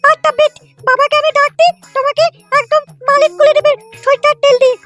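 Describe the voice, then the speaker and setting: A woman voicing a cheeky, scheming little boy in a comedy cartoon, whiny and excitable. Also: very high voice, fast talker, over loud music. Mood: mock-sweet.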